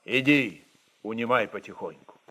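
A man's voice: lowish voice, normal speed, pushed and bright, husky, pitched below the performer's own voice, low-quality recording. A man voicing a stern, resolute Cossack rebel chieftain who speaks in terse commands, in a literary radio drama. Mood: grim, weary.

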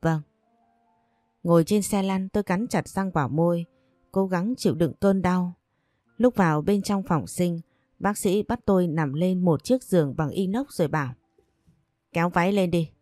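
A woman narrating a first-person story in a steady, earnest way. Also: on the low side, normal speed, no room sound, studio quality, faint music behind.

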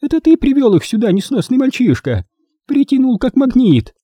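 A man's voice: extremely high pitch, very animated, moderate pace, dark tone, no room sound, studio quality, pitched above the performer's own voice, exaggerated voice. A male audiobook reader voicing a stern, sour old grandmother with a harsh, cutting delivery. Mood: grim.

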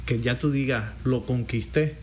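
A man with a Puerto Rican accent, a pastor, telling lively stories in a casual faith talk and acting out quoted lines. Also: medium pitch, a little slow.

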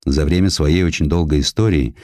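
A man's voice: extremely low pitch, brisk, dry recording, clean studio sound. A man reading historical prose as a dramatic audiobook narrator, telling it expressively. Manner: expressive storytelling, acting out quoted speech.

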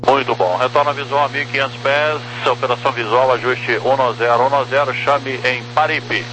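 Brazilian man, air traffic controller over CB-like radio, mid-pitched, clear hiss and hum, procedural delivery. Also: fairly even intonation, fairly quick. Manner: procedural, formal, spoken over two-way radio. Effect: two-way radio, CB-like. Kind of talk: clipped radio phraseology. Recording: noisy radio transmission with hum.

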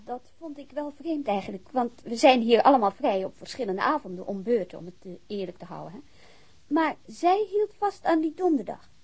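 An actress playing a polite, guarded business owner in a naturalistic radio drama. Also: female voice, medium pitch, a little mellow, breathy edge.

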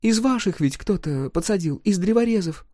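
A man voicing a practical, sharp-tongued peasant woman in a storybook reading, speaking in a brisk, scolding whisper. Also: sits high, animated, no room sound, clean studio sound, pitched above the performer's own voice. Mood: scheming.

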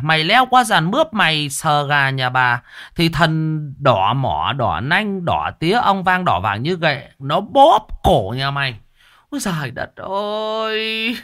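A man voicing a fat, loud-mouthed neighbor woman, wailing and scolding. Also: fairly high pitch, pitched above the performer's own voice, exaggerated voice.

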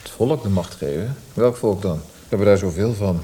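A man acts out a tormented poet in a radio drama. His voice is low and notably mellow. He speaks in a reflective, literary manner, as if searching for the meaning of each word. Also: moderate pace, a little hiss or hum, close to an everyday voice. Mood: fervent, searching. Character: brooding male Austrian poet tormented by language. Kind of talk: Dutch radio drama acting.

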